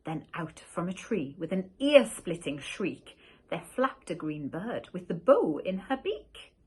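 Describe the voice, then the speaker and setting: A woman teacher reading a rhyming picture book aloud, slow and expressive. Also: lowish voice, slightly rough, poor audio.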